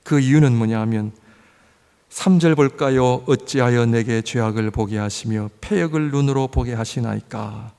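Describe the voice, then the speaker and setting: A man preaching a sermon as pastor, swinging from loud impassioned pleading to low, measured scripture reading. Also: smooth. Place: church sanctuary. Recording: long church hall reverb.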